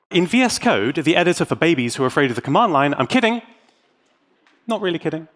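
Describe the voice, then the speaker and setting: A British man delivering a scripted tech talk as a conference speaker, theatrical and wry, with dramatic pauses. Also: fairly high pitch, a bit bright. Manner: wry, tongue-in-cheek.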